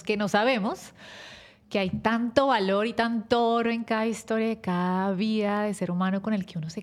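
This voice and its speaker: A woman hosting a Catholic talk show, speaking gently and devoutly, leading a prayer and welcoming her guest. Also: mid-range voice. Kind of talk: warm faith-based interview with prayer.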